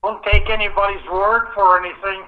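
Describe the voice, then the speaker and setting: A man's voice: sits high, flat delivery, fairly quick. Man in his 80s, speakerphone held away from the mouth, faint and distant, hesitant short answers, dull muffled line. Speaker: father interviewed by phone. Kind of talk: phone interview.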